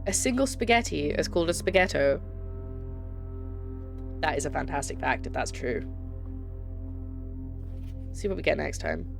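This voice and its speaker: A woman's voice: sits low, big pitch swings, normal speed, vocal fry, long pauses, over music. Chatty Scottish woman streaming a game. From Scotland. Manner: chatty, rambling, with frequent self-interruptions. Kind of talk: casual chat while live-streaming a game.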